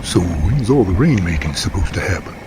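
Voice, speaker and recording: A man's voice: sits low, sing-song, brisk, noisy background. A man playing a laid-back, curious team helper with a plain, casual manner in an amateur radio drama. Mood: modest, curious.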